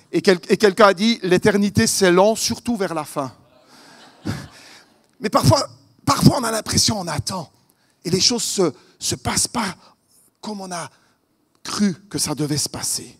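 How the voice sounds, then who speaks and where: High-voiced Swiss preacher from Vaud. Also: male voice, unhurried, long pauses, husky. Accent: Swiss French (Vaud). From Vaud, Switzerland. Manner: earnest, asks the audience questions, swings between loud stress and hushed lines. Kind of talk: sermon. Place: church conference.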